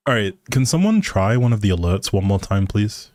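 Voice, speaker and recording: A man's voice: fairly low pitch, big pitch swings, normal speed, darkish tone, dry recording, studio quality. A man live streaming a game, chatting casually with viewers and thinking aloud in an easygoing, polite way. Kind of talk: casual livestream chat over gameplay.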